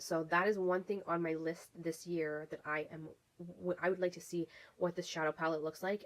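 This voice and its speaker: A chatty woman reviewing her favorite makeup, talking in a fairly low voice. She gushes, restarts her sentences and fills the gaps with ums. She is still getting over a cold. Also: poor audio. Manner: chatty, many fillers and restarts, gushing. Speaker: beauty vlogger. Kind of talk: casual product review.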